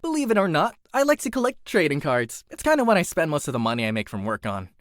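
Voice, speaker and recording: An earnest young workaholic blacksmith from an animated series , as a performer acts the part, with a very lively, swooping delivery. The voice is conversational and dutiful with an adventurous streak, recorded dry and close. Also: mid-range voice, fast, no echo, close to an everyday voice. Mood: casual. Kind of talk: animated character voice reel monologue.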